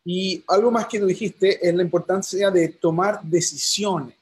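A man's voice: high-pitched, fairly even intonation, measured pace, husky. A man interviewing a coach, encouraging and using many fillers. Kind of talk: interview questions.

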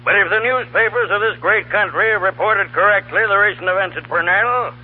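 A pompous senator with a high male voice, declaiming self-importantly. It sounds like a tinny 1930s radio newsreel. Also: a little fast. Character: pompous, folksy male senator making a statement.

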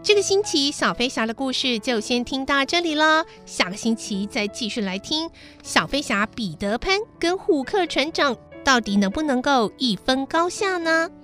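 A woman's voice: high voice, animated, normal speed, hardly any pauses, fairly bright tone. A woman hosting a children's show, narrating a bedtime story expressively. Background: background music.

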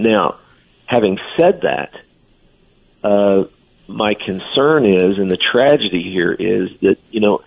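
A man's voice: lowish voice, gravelly, husky, narrow, tinny audio. A man speaking as a guest on a radio interview, giving earnest, blunt opinions. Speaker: guest commentator.

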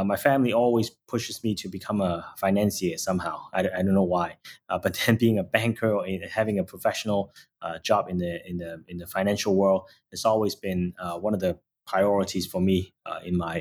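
A man in his thirties from Hong Kong, a startup founder answering interview questions hesitantly with many "uh" fillers. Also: deep voice.

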